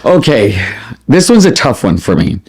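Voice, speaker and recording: A middle-aged man chatting casually as a vlogger, expressive and prone to wandering off on tangents as he answers questions. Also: medium pitch, moderate pace, slightly rough. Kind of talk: casual chat to camera, answering listed questions.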